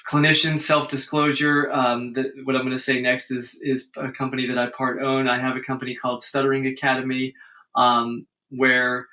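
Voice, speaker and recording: A man with a bright, clear-edged voice at an average pitch explains clinical ideas earnestly in casual podcast talk. He often repeats and restarts words as he thinks aloud. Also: little pitch movement, normal speed. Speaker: guest speech-language pathologist. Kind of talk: conversational podcast interview.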